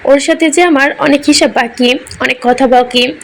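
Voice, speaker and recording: A woman's voice: high voice, fairly even intonation, normal speed, a little hiss or hum. A woman reading the lines of a grief-stricken young father who lashes out in bitter accusations, in a romantic story reading. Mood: frantic.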